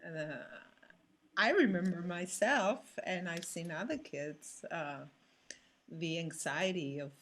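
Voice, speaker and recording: A woman performer chatting casually as a guest on a video call, haltingly searching for her words. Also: fairly low pitch. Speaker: theatre performer, panel guest. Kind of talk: casual reminiscing chat.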